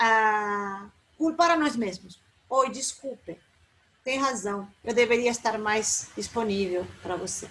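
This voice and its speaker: Her voice fairly high, a woman with a non-native accent talks at a very slow pace with ordinary pitch variation. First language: not Portuguese (speaking Portuguese). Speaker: psychologist speaker. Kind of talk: lecture.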